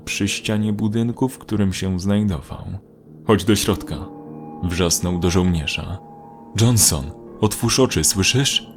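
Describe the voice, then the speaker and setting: A man narrating a war story as an audiobook in a steady, measured way. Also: fairly low pitch. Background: faint music.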